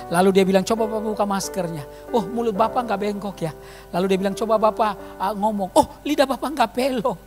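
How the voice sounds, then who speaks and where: A man in his fifties preaching a sermon in a church, telling stories and swinging from quiet asides to loud calls. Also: high voice. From eastern Indonesia. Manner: animated storytelling, swings from quiet to shouting. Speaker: pastor. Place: church hall. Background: music.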